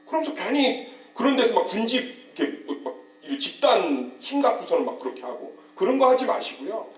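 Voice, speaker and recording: A man delivers a sermon with a high, very lively voice that rises and drops as he acts out quoted people. He is heard from a distance in a roomy church hall. A low mains hum runs underneath. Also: brisk. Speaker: pastor. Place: church sanctuary.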